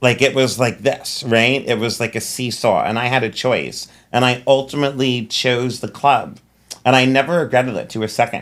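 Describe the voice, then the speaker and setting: At a moderate pace, a man with a strong New York accent speaks at a medium pitch with fairly even intonation. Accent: thick New York. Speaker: event producer, nightclub owner. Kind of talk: podcast interview answer. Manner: loud, playful.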